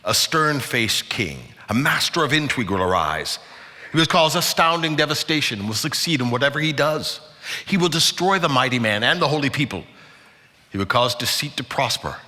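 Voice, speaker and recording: A man giving a dramatic Bible reading before a live hall, theatrical and emphatic, with deliberate pauses. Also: medium pitch, very animated, sharp tone. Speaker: dramatic scripture reader. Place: large indoor conference hall. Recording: live hall with long reverb.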